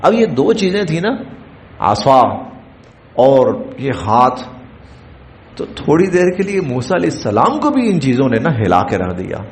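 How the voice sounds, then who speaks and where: A man's voice: mid-range voice, sing-song, a little mellow. A man from Pakistan teaching a Quran translation and commentary lesson, chanting Arabic phrases and explaining each in Urdu, recorded in a mosque. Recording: echoey mosque room, faint background noise.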